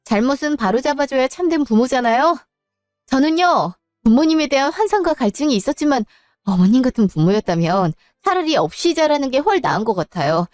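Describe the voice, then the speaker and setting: A woman's voice: high-pitched, very animated, a little fast, darkish tone, no echo, clean studio sound. A woman voicing a cold, defiant young daughter-in-law in an audio drama.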